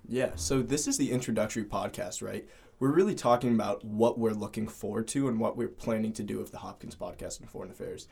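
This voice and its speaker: Gravelly young man co-hosting a podcast. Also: lowish voice, brisk, a little mellow. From Cleveland, Ohio. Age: young adult. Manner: earnest, with restarts and fillers. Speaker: podcast co-host. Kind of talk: casual student podcast chat.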